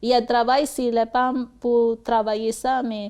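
Spoken very slowly in a Filipino accent, the voice keeps a fairly even intonation against a quiet background. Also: woman. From Philippines. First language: Bisaya (speaking French). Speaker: immigrant worker. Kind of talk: interview. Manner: halting.

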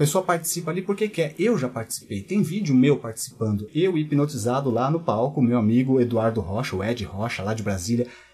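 Somewhat breathy, a man with a dark, mellow tone talks at a fairly quick pace, his pitch swinging very widely. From Brazil, Mauá (São Paulo area). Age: 30s. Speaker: hypnotherapist. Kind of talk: interview.

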